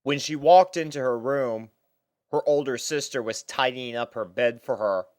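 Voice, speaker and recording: A narrator with a mid-pitched voice reads a story from a script. The recording is dry, with little room sound. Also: normal speed, a little mellow, no room sound. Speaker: storyteller, fan fiction reader.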